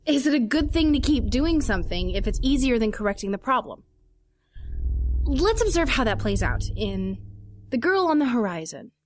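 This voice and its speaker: High, animated, probing female student. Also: normal speed, music in the background. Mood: questioning. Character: questioning, thoughtful female student challenging the status quo. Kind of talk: audio drama acting.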